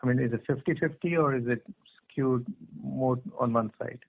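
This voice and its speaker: A man's voice: medium pitch, normal speed, vocal fry. A man with an Indian accent asking polite, tentatively phrased questions as a financial analyst on a conference call. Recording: narrow, muffled phone line.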